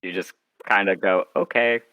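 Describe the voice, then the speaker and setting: A man's voice: deep voice, steady tone, brisk, bright, forceful tone, smooth, no room sound, highs cut off. A man from Oregon chatting casually as an interview guest, rambling wryly and acting out his own thoughts. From Oregon, United States. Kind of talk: casual chat.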